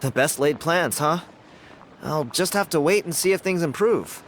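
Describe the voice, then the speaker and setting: A man's voice: a little high, animated, normal speed, slight background noise. A man voicing a cocky, friendly young tribal dancer in a video game, talking in an easygoing, boastful way. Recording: game audio with loud music underneath.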